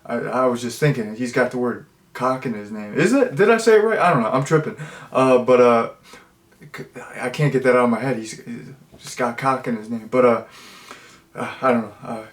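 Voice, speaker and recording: A man's voice: mid-range voice, moderate pace. A man reviewing a horror movie in a casual, rambling way, full of fillers and jokey asides. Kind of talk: casual chat. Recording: roomy echo.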